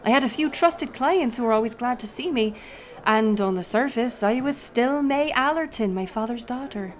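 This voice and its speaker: A woman's voice: a little high, lively intonation, moderate pace, close to an everyday voice. A woman playing a wry, roguish pirate smuggler captain, telling her tale theatrically in an audio roleplay. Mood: wistful, sly. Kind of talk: in-character audio roleplay storytelling.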